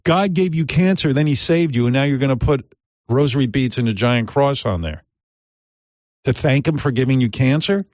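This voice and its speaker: A man's voice: medium pitch, normal speed, a little mellow, no room sound. Radio host guy, blunt and sweary, mocking, mid voice, dry studio mic. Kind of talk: talk radio banter.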